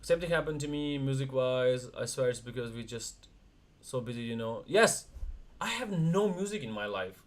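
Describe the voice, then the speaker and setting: A young man from India chatting casually on a livestream, talking in quick bursts with frequent restarts. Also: medium pitch, lively intonation. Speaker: streamer, wrestler co-host.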